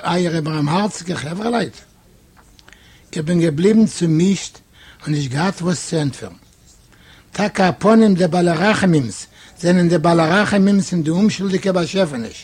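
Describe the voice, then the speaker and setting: A man's voice: high-pitched, darkish tone, husky. A man whose first language is Yiddish, reading a literary story aloud expressively and voicing its quoted dialogue. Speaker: reader.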